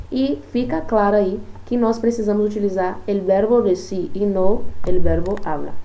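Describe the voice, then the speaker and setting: Patient woman teaching, mellow voice. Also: medium pitch. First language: Portuguese. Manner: explains slowly and patiently, reading example sentences aloud. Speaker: Spanish teacher. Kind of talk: recorded online lesson.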